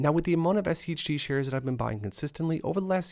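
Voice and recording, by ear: A man talks with lively intonation, vocal fry and a slightly mellow tone on a very clean recording with a silent background.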